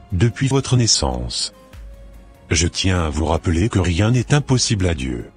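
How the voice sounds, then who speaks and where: A devout Christian man in a cartoon , played by a male actor, speaks with a deep, rough-edged voice. The delivery is scripted, solemn and earnest, with soft music underneath. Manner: formal, solemn prayer delivery.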